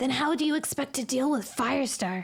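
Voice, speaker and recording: Using a put-on character voice, a woman speaks high and fairly quickly. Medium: virtual streamer. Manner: uneasy, deferential.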